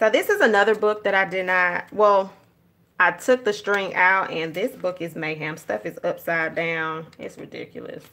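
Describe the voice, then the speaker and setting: A woman with a Georgia accent, a medium pitch, a bright, sharp tone, ordinary pitch variation, big swings in loudness and a moderate pace. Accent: Georgia Southern. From Georgia, US (east side). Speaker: planner and journaling vlogger. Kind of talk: casual live-stream chat while planning. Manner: casual, conversational.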